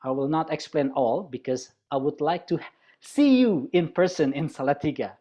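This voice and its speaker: A man from West Java with an Indonesian accent giving a webinar presentation as a university lecturer. He talks in a chatty, halting way with many restarts and draws listeners in with questions. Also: on the high side, expressive, mellow, muffled recording.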